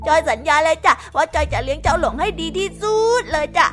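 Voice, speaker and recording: A woman's voice: high voice, fast talker, fairly bright tone. A woman voicing a young child in a children's story drama, pleading and whiny with a childlike manner. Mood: sweet. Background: background music.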